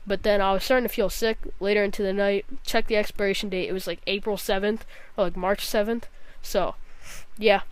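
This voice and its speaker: A woman's voice: medium pitch, smooth, no echo. A young woman gaming vlogger telling a long story casually, rambling with lots of fillers and swearing bluntly.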